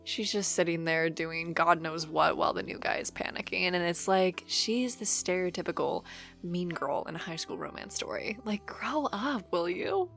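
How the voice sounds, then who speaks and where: A woman playing an affectionate, teasing working wife in an ASMR audio roleplay, chatty and expressive. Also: fairly low pitch, moderate pace, creaky, faint music behind. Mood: exasperated venting.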